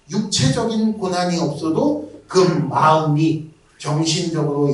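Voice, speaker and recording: Male pastor, lively sermon delivery, heard distantly in a very echoey sanctuary. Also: high voice. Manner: animated, acts out mocking voices. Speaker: guest pastor. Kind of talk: revival meeting sermon. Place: church sanctuary. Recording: very echoey church from afar.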